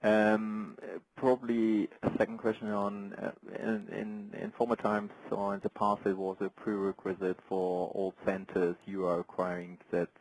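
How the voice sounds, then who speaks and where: A man asking formal questions as an analyst on a business conference call, in halting phrases. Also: on the low side, flat delivery, darkish tone, a little hiss or hum, rough recording.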